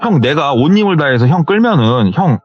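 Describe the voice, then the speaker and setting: A man's voice: on the high side, big pitch swings, a little fast. A man voicing a frightened young man who stammers and repeats himself in fear, on a slightly dull recording. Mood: insistent. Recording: slightly dull, faint music behind.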